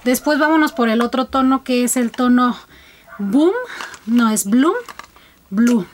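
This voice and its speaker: A woman's voice: a little high, normal speed, a little hiss or hum. A young woman chatting casually to her viewers while reviewing colored contact lenses, with frequent fillers.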